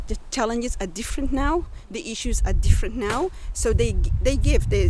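A woman's voice: medium pitch, noisy background. A woman, a community radio co-founder speaking reflectively in a casual interview, often restarting as she searches for words. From Sudan.

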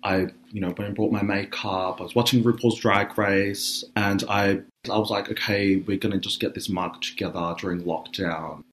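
A man with a raspy voice, a drag artist speaking candidly in a relaxed interview and thinking aloud as he goes. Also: fairly low pitch, normal speed. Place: radio studio.

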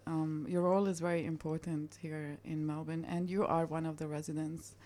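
A woman hosting a community radio show, chatting casually with a guest and filling pauses with um and yeah. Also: low voice, level tone. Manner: warm, chatty, many fillers like um and yeah.

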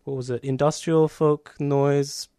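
A man's voice: a little high, little pitch movement, measured pace, dark tone, no room sound, studio quality. A man hosting a community radio show, interviewing a guest in a friendly, encouraging way.

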